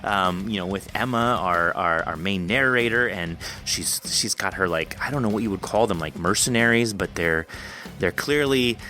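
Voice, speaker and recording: A man's voice: low-pitched, normal speed, bright, forceful tone. A man hosting a conversational podcast interview in an effusive, rambling way. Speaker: podcast host.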